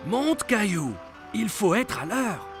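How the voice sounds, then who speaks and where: A kindly cartoon grown-up, voiced by a woman, talks in a friendly, reassuring way. The voice is mid-pitched with very animated delivery over faint music. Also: slow. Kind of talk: children's cartoon dub.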